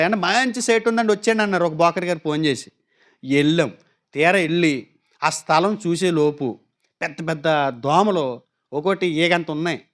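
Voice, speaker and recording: A man's voice: high-pitched, fairly bright tone. A man preaching a sermon, asking the congregation questions and acting out quoted voices in little stories. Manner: acts out quoted voices and anecdotes.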